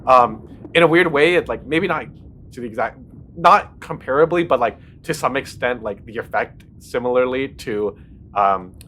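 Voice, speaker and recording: A man's voice: medium pitch, normal speed, fairly bright tone. A man co-hosting a casual movie podcast, meandering, with many likes and ums. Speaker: podcast co-host.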